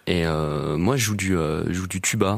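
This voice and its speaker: A man's voice: deep voice, normal speed, creaky, no echo. A man with a French accent chatting casually as an interview guest, easygoing and self-deprecating. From France. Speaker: interview guest, brass musician. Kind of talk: casual chat.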